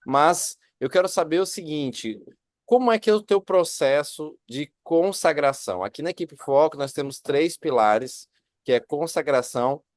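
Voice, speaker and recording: A man, a pastor, interviewing a guest with encouraging, measured questions. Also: a little high, lively intonation, darkish tone, no echo, studio quality.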